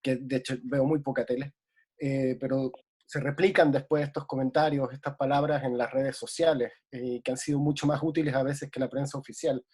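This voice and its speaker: Reflective man, mellow husky voice. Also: medium pitch, steady tone, fairly quick. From Ecuador. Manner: reflective, many hesitations. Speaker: guest. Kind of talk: casual conversation.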